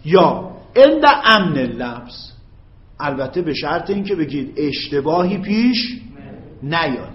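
A man teaching Arabic grammar in a classroom lecture, stretching out his example phrases in a slow, drawn-out chant and checking often whether his students follow. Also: very animated. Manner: checks understanding with quick questions to students. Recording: echoey, dull low-fi classroom recording.

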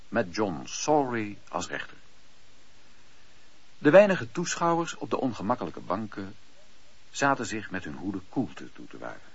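A man's voice: low voice, creaky, a bit bright, breathy edge. A man narrating a radio play in a scripted, dramatic style. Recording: dull, lo-fi radio play recording.

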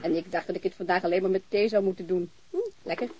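A woman's voice: on the low side, steady tone, quick pace, muffled recording, heavy background noise, close to an everyday voice. An actress playing an outspoken, chatty middle-aged landlady in a naturalistic radio drama, talking bluntly and restarting her sentences. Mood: lively, hospitable. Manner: talkative, blunt, breaks off and restarts.

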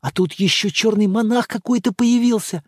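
A man's voice: high voice, moderate pace, no room sound, clean studio sound, voice pushed up. A man reading the part of a reserved, lonely woman secretary in her thirties, speaking in short clipped phrases. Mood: upset. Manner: clipped, terse listing of facts. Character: reserved 36-year-old female secretary, stiff and lonely.

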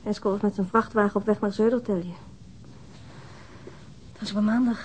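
An actress playing a guarded, halting, middle-aged widow in a naturalistic radio drama. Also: female voice, medium pitch, steady tone, darkish tone, a little hiss or hum, lightly acted, low-quality recording. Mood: grieving, indignant. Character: guarded, widowed older housewife who minds children.

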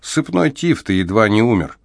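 A man voicing a gentle older prisoner. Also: lowish voice, very animated, moderate pace, creaky, no room sound, studio quality, exaggerated voice. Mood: caring. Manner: gentle, reassuring. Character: kind older male prisoner, gentle caretaker. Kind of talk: audiobook character voice.

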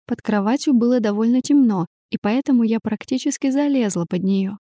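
Warm-voiced woman narrating an audiobook. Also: fairly high pitch, fairly quick, no room sound, clean studio sound. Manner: steady, expressive storytelling. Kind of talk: first-person audiobook narration.

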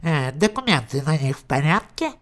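A man's voice: fairly high pitch, very animated, moderate pace, a bit bright. An actor playing an elderly, fussy German zoo owner who hesitates and repeats his words in an audio play. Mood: dithering.

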